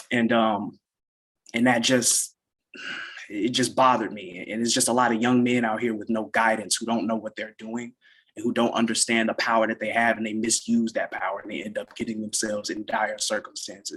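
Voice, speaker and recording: Speaking with an American accent, a man goes at a fairly quick pace in a monotone, flat intonation. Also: medium pitch for a man. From Chicago, South Side. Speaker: class participant. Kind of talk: personal introduction in online class. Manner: halting, many fillers.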